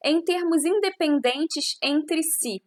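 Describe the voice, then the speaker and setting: A woman's voice: sits high, slow pace. A woman teacher recording an audio lesson close to the microphone, explaining patiently and checking in with her students through frequent tag questions. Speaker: Portuguese teacher.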